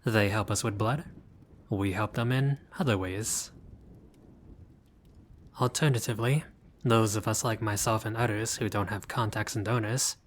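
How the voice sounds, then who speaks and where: Man acting a courteous, lowish-voiced friendly vampire. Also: fairly even intonation, normal speed, pauses often, slight background noise, close to an everyday voice. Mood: apologetic, explaining. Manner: formal, polite, old-fashioned, hesitant phrasing. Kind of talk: intimate roleplay audio acting.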